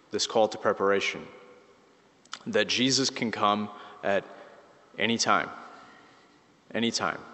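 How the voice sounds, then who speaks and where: A slightly hoarse man giving a casual, conversational sermon as a priest, with many fillers and restarts. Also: fairly low pitch, a bit bright. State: slightly hoarse, losing his voice. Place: church. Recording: church mic with long reverb.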